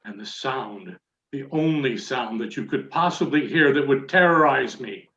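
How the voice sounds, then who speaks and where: A man telling a mock-serious tall tale as a theatrical storytelling speech, with dramatic pauses and deliberate phrasing. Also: mid-range voice, lively intonation, fairly bright tone. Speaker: Toastmasters contest speaker telling a tall tale. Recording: echoey room, dull muffled audio.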